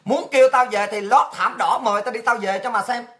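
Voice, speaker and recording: A woman's voice: a little high, brisk, fairly bright tone. A woman from Vietnam hosting a livestream show, delivering an abusive, mocking tirade full of rhetorical questions. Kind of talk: livestream rant.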